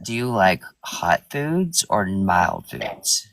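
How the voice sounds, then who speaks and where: Deep-voiced curious man on a distant line. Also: big pitch swings, slow pace, a bit bright, a little hiss or hum. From Puerto Rican background. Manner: chatty, curious questioner. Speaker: caller. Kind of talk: casual chat.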